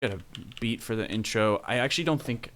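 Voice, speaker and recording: A man's voice: mid-range voice, brisk, very noisy. A young man producing music on a livestream, thinking aloud in a casual, musing way, often trailing off mid-sentence, from a small home studio.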